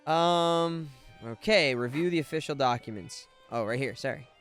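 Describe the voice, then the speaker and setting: A man's voice: fairly high pitch, moderate pace, fairly bright tone. A man live streaming a video game, chatty and informal, sometimes stumbling as he reads aloud, with game music behind.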